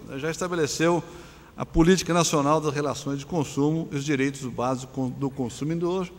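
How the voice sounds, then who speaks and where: A man's voice: on the high side, brisk. Brazilian man moderating a panel, formal, keeps tagging lines, reverby hall. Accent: Brazilian Portuguese. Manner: formal, with frequent tag questions. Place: large conference hall.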